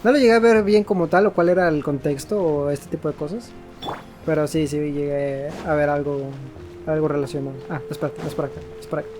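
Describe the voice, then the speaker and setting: A man's voice: a little high, fairly even intonation, quick pace, music in the background. A man giving casual let's-play commentary as a gaming YouTuber, a native Spanish speaker.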